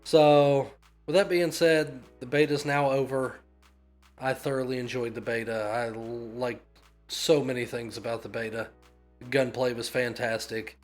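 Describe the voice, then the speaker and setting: Guy in his 30s w a stuffy nasal cold voice, blunt and sweary, mid pitch, faint music behind. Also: little pitch movement, a little slow. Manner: blunt, swears often, dismissive of complainers. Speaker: gaming YouTuber. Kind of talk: casual opinion rant.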